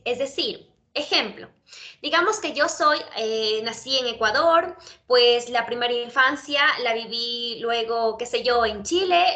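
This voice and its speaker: High, bright-voiced woman lecturing. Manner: explanatory, checks understanding, frequent fillers. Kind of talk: explaining theory in an online class.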